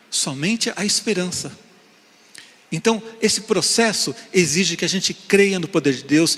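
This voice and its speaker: A man's voice: sits high, a bit bright, in a large hall. A man preaching a sermon to his congregation as pastor, asking rhetorical questions and often calling for an "amém". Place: church sanctuary.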